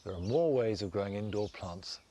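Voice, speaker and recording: A man presenting a gardening show outdoors in a garden, talking gently and with measured enthusiasm. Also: fairly low pitch, animated, slight background noise. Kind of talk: relaxed instructional garden presenting.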